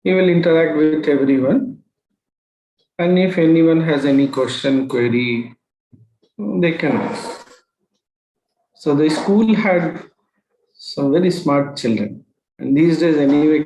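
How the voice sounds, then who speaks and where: A man, a spiritual teacher telling a story to an online group, slow and pausing, often asking his listeners questions. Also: mid-range voice, mellow, slight background noise. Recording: roomy echo.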